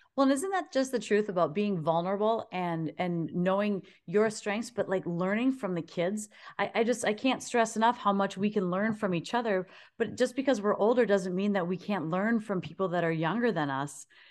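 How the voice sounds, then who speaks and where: A woman speaks with a Minnesotan accent. The background is quiet. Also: medium pitch for a woman, ordinary pitch variation, moderate pace. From US Midwest. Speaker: podcast co-host. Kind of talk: casual chat. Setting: home. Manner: playful, laughs often.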